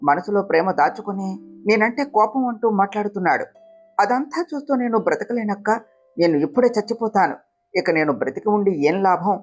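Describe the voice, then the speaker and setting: Storybook figure: scheming, demanding young woman, read by a woman, whiny and husky. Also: medium pitch, expressive, brisk, lo-fi sound, faint music behind, close to an everyday voice. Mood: whining.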